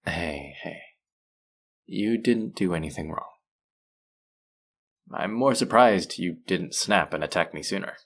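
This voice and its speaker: Male actor as suave supervillain, very low pitch, gravelly creak, measured, teasing, softly menacing, possessive tenderness, intimate audio roleplay. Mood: amused, soothing.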